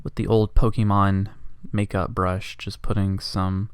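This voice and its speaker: A man's voice: low-pitched, flat delivery, a little slow, clean tone, no room sound, clean studio sound. A congested man rambling jokily and casually as he narrates his drawing for a vlog at home. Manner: rambling, jokey, self-deprecating. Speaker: art vlogger.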